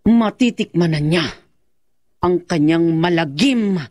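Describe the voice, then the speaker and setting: Menacing black magic villainess. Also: female voice, on the low side, slow pace. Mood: cold vengeance. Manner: taunting, threatening. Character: menacing villainess wielding black magic, vengeful crime boss. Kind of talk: radio horror drama acting.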